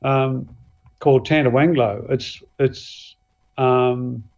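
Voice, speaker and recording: An Australian man chats in a modest, halting way, filling pauses with "um" as he gathers his thoughts. His voice sits at an ordinary pitch for a man. The audio is a little dull, as if sent over a remote link. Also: fairly even intonation, gravelly, darkish tone. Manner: modest, hesitant, many fillers and restarts. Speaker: guest axe and knife maker. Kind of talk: casual podcast chat.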